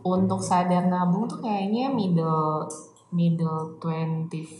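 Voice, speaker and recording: A woman's voice: on the low side, steady tone, slow, darkish tone. A woman in her thirties talks in chatty, playful slang. She sounds like she is in a roomy, echoey space. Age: 30s. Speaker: freelancer in events. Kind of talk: casual group chat. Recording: echoey room.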